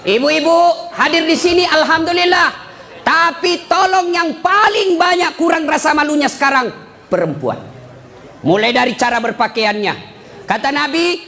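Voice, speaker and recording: A man preaching a comic sermon at a live gathering, joking and often shouting. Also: extremely high pitch. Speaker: Islamic preacher. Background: audience laughter.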